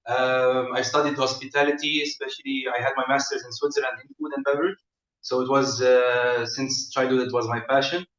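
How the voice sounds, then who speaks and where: Male guest, measured and a little halting, picked up from afar in a roomy space, dull sound. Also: medium pitch, little pitch movement, fairly bright tone. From Lebanon. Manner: measured, with frequent hesitations. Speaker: guest, restaurant manager. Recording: echoey room, distant mic, dull lo-fi.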